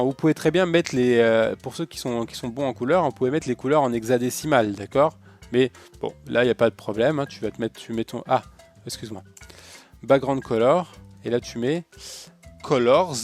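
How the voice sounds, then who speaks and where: A man hosting a casual coding tutorial, chatty and rambling, talking to himself as he types and clicks through his work. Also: mid-range voice. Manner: chatty, rambling, talks to himself while typing.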